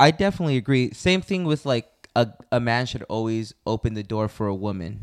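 In an ordinary speaking voice, a man of medium pitch talks at a fairly quick pace with lively intonation, the sound dry and close with no echo. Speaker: podcast host and comedian. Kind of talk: casual chat. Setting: in London. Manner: casual, profane.

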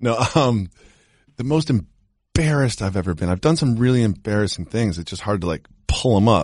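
A man with an American accent, medium pitch and an ordinary speaking voice. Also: lively intonation, moderate pace, quiet background. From US Northeast (Amherst, Massachusetts). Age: 40s. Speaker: sports media personality. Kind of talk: casual chat.

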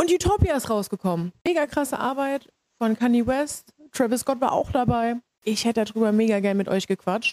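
The recording is dry and close with no echo, and her loudness stays very even. A woman with a fairly high pitch speaks at a moderate pace with lively intonation. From Germany, Palatinate (near Ludwigshafen). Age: 20s. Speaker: podcaster and TikTok creator. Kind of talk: casual monologue.

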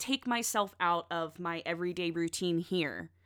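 On a very clean recording with a silent background, a woman speaks loudly in an animated tone. Her voice is bright and sharp, fairly low in pitch, with ordinary pitch variation. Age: 20s. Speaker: podcast host. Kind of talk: casual solo podcast monologue. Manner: loud, animated, chatty.

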